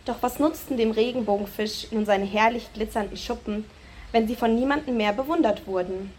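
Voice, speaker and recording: Woman, church story reader, expressive, higher-pitched. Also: fairly quick, slight background noise. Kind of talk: reading a children's story aloud.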